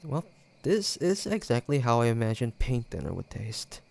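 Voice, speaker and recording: A man acting a playful, teasing young ex-boyfriend in an intimate roleplay audio drama, talking casually with hesitant pauses and a creaky edge. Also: mid-range voice, sing-song, a little mellow. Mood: disgusted, wry.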